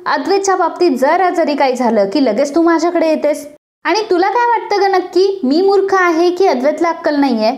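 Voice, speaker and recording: A woman voicing a sharp-tongued middle-aged matriarch, snapping and commanding, in a serial recap. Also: very high voice, lively intonation, brisk, pitched above the performer's own voice. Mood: irritated.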